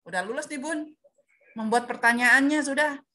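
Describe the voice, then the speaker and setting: A woman's voice: high voice, moderate pace, pushed and bright. A woman presenting an online workshop for preschool teachers over a video call, quizzing her audience and calling on participants by name. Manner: questioning, drills the audience, calls out participants by name.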